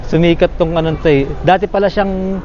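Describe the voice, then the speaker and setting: A vlogger from the Philippines chatting casually on camera, lively and talkative, who calls out loudly to the family dogs. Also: medium pitch, fairly quick, highs cut off, a little hiss or hum. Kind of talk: casual vlog narration.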